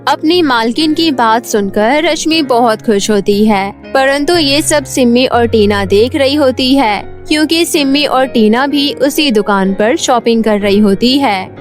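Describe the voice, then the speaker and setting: A woman's voice: sits high, measured pace, few pauses. A woman reading scripted narration for a children's cartoon story. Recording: music behind the voice. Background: background music.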